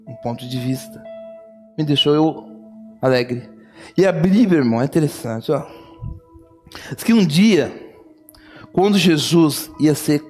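A man's voice: a little high, a little mellow. A man preaching a sermon, telling a story fervently and repeating phrases. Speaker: pastor.

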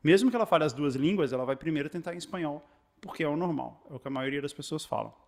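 A Brazilian man with a Brazilian Portuguese accent talks through stories in relaxed conversation. He speaks very quickly, in a voice a bit higher than most men's. He restarts phrases often and stays animated throughout. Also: vocal fry. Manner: animated storyteller, many restarts and fillers. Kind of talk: casual chat.

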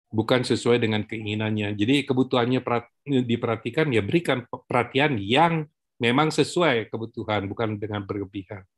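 A man speaking as a guest in a talk-show discussion, pausing often with fillers and restarting phrases, and dropping English terms into his speech. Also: medium pitch. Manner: halting, many filler pauses and restarts.

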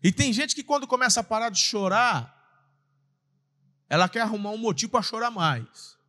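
A Brazilian man preaches a sermon with a high, very lively voice. He acts out voices and breaks into sudden shouts. The sound rings with a long hall reverb. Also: normal speed. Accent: Brazilian Portuguese. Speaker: pastor.

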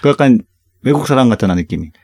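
A man's voice: mid-range voice, expressive, very fast, a little mellow, husky, dry recording, studio quality. A Korean man as co-host, answering in casual chat with many short replies and mixing Korean and Japanese. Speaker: co-host, Korean native speaker.

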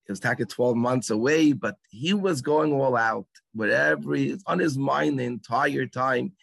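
A man from England with an English accent, speaking at a religious gathering and telling a story with dramatic pauses. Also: mid-range voice, vocal fry, dry recording. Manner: animated storyteller, acts out lines with dramatic pauses.

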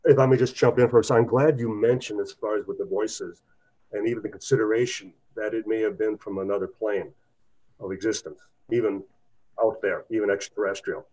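A man's voice: on the low side, steady tone, fairly quick, darkish tone, poor audio. A man hosting a podcast, politely jumping in to add his own explanation in a casual chat. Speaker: podcast host.

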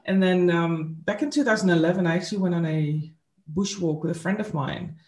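A woman from the Netherlands, a spiritual coach telling her story as an interview guest in an earnest, unhurried way. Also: lowish voice, darkish tone, roomy sound. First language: Dutch.

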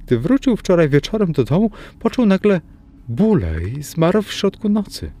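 A man's voice: high-pitched, wildly swooping pitch, moderate pace, mellow, pitched above the performer's own voice, full character voice. A man doing an upset young shopkeeper woman. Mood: grieving. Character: young woman, shop-owning sister, upset.

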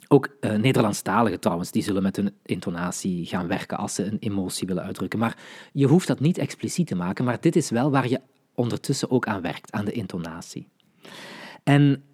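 A man's voice: mid-range voice, darkish tone. A middle-aged man gives a podcast lesson for language teachers, explaining step by step with many fillers and tag questions.

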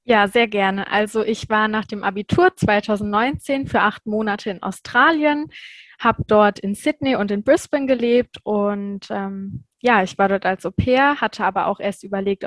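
Brisk young woman podcast co-host. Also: mid-range voice, no echo. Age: 20s. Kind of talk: casual podcast chat.

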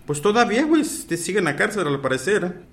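A man's voice: sits high, sing-song, fast talker. A man with a Mexican accent hosting a podcast in casual chat, full of crude slang and swearing fillers. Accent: Mexican Spanish. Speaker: podcast host.

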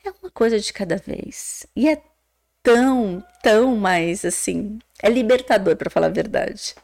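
A woman psychologist with a Brazilian Portuguese accent, explaining ideas in an animated podcast chat, often tagging her sentences with a questioning "né?". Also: mid-range voice, measured pace, creaky. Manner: animated, acts out quoted voices, many "né?" tags. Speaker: psychologist guest.

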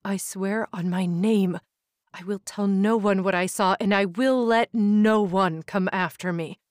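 A woman's voice: medium pitch, steady tone, a little slow, darkish tone, dry recording, clean studio sound, close to an everyday voice. A woman voicing a frightened male thief, an orphan, pleading urgently. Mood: earnest.

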